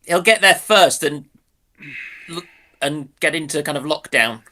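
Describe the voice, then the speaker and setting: A man's voice: fairly high pitch, measured pace, sharp tone. A man chiming in casually during a panel discussion. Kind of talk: casual chat.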